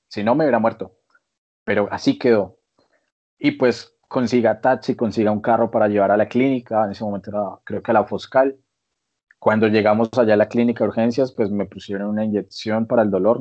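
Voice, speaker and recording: A young Colombian man with a Colombian accent, a podcast co-host telling a casual story with lively quoted voices. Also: lowish voice, husky, highs cut off. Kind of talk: casual chat.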